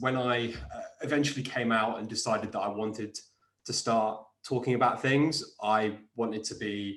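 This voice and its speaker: A man speaks in an English accent at a medium pitch. His pace is moderate, with ordinary pitch variation. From England, Brighton. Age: 20s. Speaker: mental health advocate and blogger. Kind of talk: interview.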